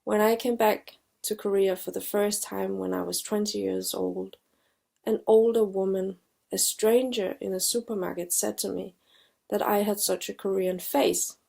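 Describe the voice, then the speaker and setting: A woman in her forties, raised in Denmark, giving a measured personal testimony as a film director in a recorded video presentation. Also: medium pitch, fairly even intonation, gravelly, mellow. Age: 40s.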